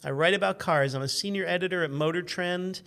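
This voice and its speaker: A man in his fifties with a somewhat high voice talks as a relaxed interview guest. He tells personal anecdotes in a conversational way, slipping in dry, self-mocking jokes. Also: brisk, gravelly, clean tone. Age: 50s. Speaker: interview guest, car journalist. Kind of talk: casual anecdotal chat.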